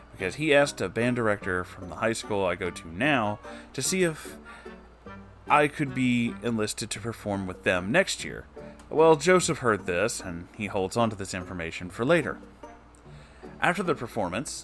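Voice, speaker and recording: A man's voice: lowish voice, a bit bright. A man hosting an online story reading, speaking expressively and informally with casual swearing. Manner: profane, informal. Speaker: online story reader and host.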